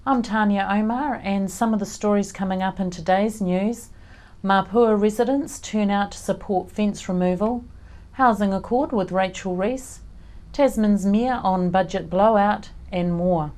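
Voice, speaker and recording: A woman presents regional television news from a script. Her voice is soft-edged and mellow, at a middling pitch. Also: measured pace.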